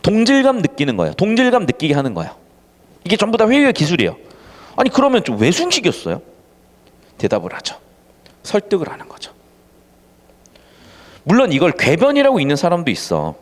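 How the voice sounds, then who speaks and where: An animated male tutor with a slightly high voice explains a text to students in an exam-prep lecture. His pitch leaps about constantly, and he switches between casual and polite speech. The room gives his voice a long, trailing reverb. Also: fairly quick, pauses often. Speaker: Korean literature tutor.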